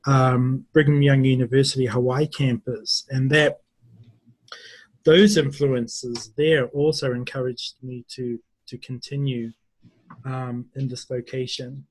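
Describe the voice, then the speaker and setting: A middle-aged man from New Zealand, a university English teacher, answering interview questions slowly and thoughtfully, with many pauses. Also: mid-range voice, flat delivery, dry recording, low-quality recording.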